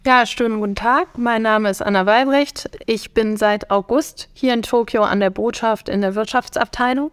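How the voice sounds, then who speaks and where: A woman's voice: fairly high pitch, steady tone, moderate pace, hardly any pauses, clear, resonant tone, no room sound, studio quality. A woman speaking as a guest on a podcast panel, connected remotely, in a fluent and orderly way. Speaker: embassy economic officer, panel guest.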